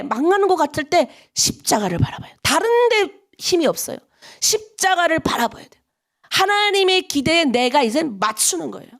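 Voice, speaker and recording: A middle-aged woman pastor from North Korea with a North Korean accent, preaching an early-morning prayer sermon in an animated way and acting out the voices of people in her stories. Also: high-pitched.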